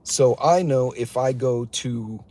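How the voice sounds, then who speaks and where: A man's voice: medium pitch, slow, dark tone. A man hosting a live driving vlog from his pickup truck, giving blunt, ranting road-safety advice to his chat viewers. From West Texas. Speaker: prepper channel host.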